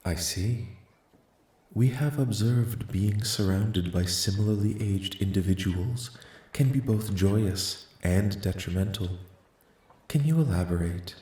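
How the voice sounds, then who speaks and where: A man voicing a curious, polite, detached alien researcher in a soft-spoken ASMR roleplay, questioning in formal, clinical, measured phrases. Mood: calm, curious. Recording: echoing voice with faint rumbling noise.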